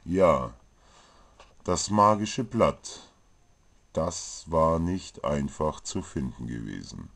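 Slow, low-voiced male storyteller. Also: animated, vocal fry, fairly bright tone. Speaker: narrator. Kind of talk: scripted comic fantasy storytelling.

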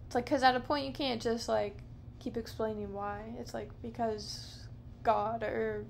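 A woman in her thirties hosting a podcast alone, rambling slowly and softly in a dim living room at night, with many fillers. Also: a little high, steady tone, vocal fry, slight background noise. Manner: slow, meandering, soft-spoken with many fillers. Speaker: podcast host. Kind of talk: rambling casual monologue. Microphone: camera close up, handheld or on a low stand.

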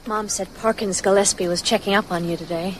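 A woman's voice: mid-range voice, steady tone, a little fast, faint music behind, lightly acted, poor audio. An actress playing a young, curious small-town girlfriend in a radio drama, direct and intimate in manner. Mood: direct, teasing. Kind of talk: naturalistic radio drama dialogue.

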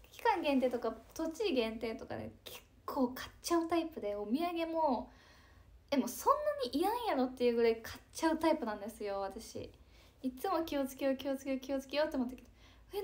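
A young woman, chatting casually on a live stream, breezy and talkative with soft asides. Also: high-pitched, very animated, fast. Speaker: idol livestreamer reading chat comments.

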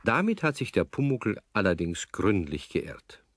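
A man's voice: on the low side, very animated, measured pace. A man narrating a children's audio play as a scripted story, speaking straight to young listeners. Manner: addresses young listeners with questions.

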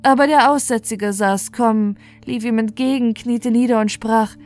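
A woman's voice: a little high, steady tone, moderate pace, a little mellow. A woman storyteller narrating a bedtime fairy tale. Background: faint music.

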